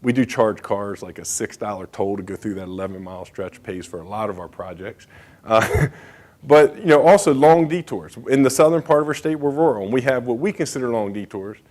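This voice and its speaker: A man's voice: on the low side, expressive, fairly quick, darkish tone. A man giving a conference presentation as a state bridge engineer, speaking casually with frequent fillers and asides.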